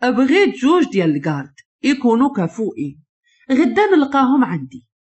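A woman's voice: a little high, huge pitch swings, fairly quick, darkish tone, pitched above the performer's own voice. A woman with a Moroccan accent voicing a stern, protective, wealthy father who gives orders. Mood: stern, worried. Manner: commanding, worried.

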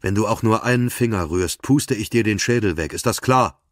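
A man's voice: lowish voice, brisk, no room sound, studio quality, lightly acted. A man reading an audiobook, voicing a fierce woman police officer who interrogates at gunpoint. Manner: commanding, interrogating.

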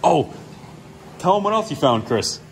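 A man hosting a casual walkaround of a dirt bike in a motorcycle workshop, talking excitedly to viewers while filming on a phone. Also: on the high side, a little slow, slight background noise. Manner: excited, addresses viewers directly. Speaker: host. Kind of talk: casual shop chat. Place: large motorcycle workshop indoors.

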